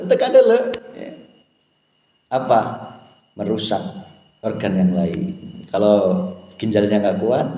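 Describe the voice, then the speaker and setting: A man preaching a lively sermon to a congregation, asking them questions as he goes. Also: on the high side. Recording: roomy hall with long reverb.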